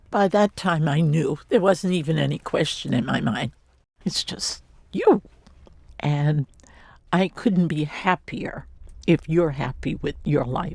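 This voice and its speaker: With vocal fry and a very deep, low pitch, a woman talks at a fairly slow pace, leaving long, frequent pauses. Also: ordinary pitch variation. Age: 70s. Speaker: mother of adopted son. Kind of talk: interview conversation.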